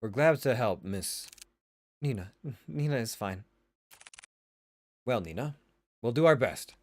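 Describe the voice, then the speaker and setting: A man voicing a reserved, gruffly kind male detective in a visual novel, speaking in a terse, matter-of-fact way. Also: mid-range voice, expressive, a little slow, no echo. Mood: reassuring.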